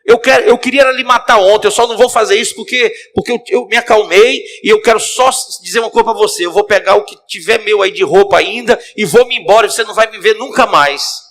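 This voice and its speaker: A man acting out a furious, betrayed middle-aged husband in a sermon story, shouting indignantly with a Cearense Brazilian Portuguese accent. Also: high-pitched, fast, few pauses, voice pushed up.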